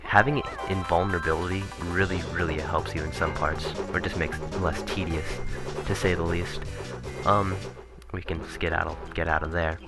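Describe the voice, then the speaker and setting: A man commentating casually on a video game he is playing, rambling and correcting himself, his voice turning raspy. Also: low-pitched, fairly even intonation, normal speed. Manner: rambling, self-correcting, chuckling asides. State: voice getting raspy. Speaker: let's play commentator. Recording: game music playing behind.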